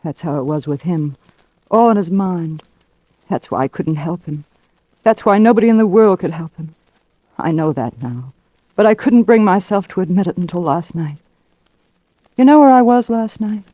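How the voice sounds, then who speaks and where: An actress playing an anxious, bedridden wife of a music professor in a 1940s radio drama, narrating with quiet fear. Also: female voice, lowish voice, expressive, normal speed, pauses often, dry recording. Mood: uneasy. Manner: fearful, confiding narration. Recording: dull old radio broadcast recording.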